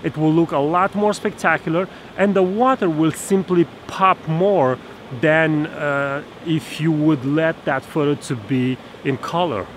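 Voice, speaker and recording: A man in his thirties talks through a photography lesson outdoors, with a fairly high voice. He explains step by step, pausing on fillers and restarting his phrases. A rushing stream is clearly heard behind him, recorded at arm's length. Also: background noise. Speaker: photography instructor. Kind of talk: outdoor tutorial to camera. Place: snowy forest stream outdoors. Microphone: camera held at arm's length. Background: rushing stream water.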